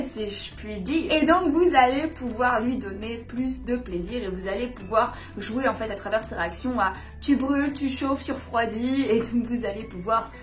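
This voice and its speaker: A woman coach talking casually to camera in a hyped-up, over-caffeinated way with emphatic bursts. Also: fairly high pitch. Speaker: dating and seduction coach presenting her channel. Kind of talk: casual vlog explainer to camera.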